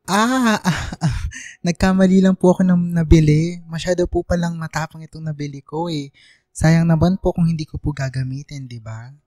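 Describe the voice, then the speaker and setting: A woman's voice: low voice, normal speed, dark tone, no echo, studio quality, lightly acted. A woman playing an insecure young gay student in an emotional, hesitant radio drama performance. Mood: nervous, evasive. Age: young adult. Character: tipsy, insecure young gay student, self-doubting and giggly.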